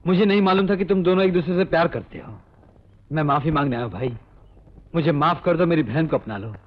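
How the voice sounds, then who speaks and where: An actor playing a proud young engineer and protective elder brother in an old film drama. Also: male voice, on the high side, quick pace, dull audio, lightly acted. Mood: apologetic. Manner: earnest and dramatic, turning fierce. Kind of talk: 1980s film drama acting.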